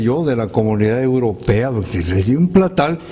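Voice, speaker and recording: Over noticeable background noise, a man with a Guatemalan accent speaks with lively intonation. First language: K'iche' Maya (speaking Spanish). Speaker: poet. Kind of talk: commented poetry reading. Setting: library hall with audience.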